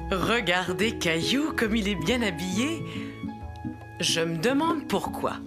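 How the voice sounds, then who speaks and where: A woman narrating a French children's cartoon story as a kindly storyteller, expressive and clearly articulated. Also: mid-range voice, slow pace, loud music behind the voice. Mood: storytelling.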